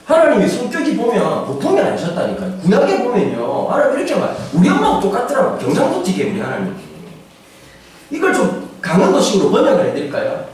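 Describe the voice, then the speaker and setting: A pastor in his forties giving a humorous, animated sermon, now and then acting out voices and shouting for effect. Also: sits high, quick pace, a crowd in the background. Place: church sanctuary. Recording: echoey church hall, distant mic, faint ambience.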